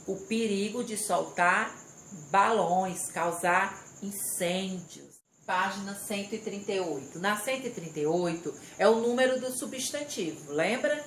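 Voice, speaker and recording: Slow-paced teacher woman in an echoey room. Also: mid-range voice. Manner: slow, step-by-step explaining, reading aloud and stressing syllables. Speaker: primary school teacher. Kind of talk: recorded remote class lesson. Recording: echoey room with faint insect noise.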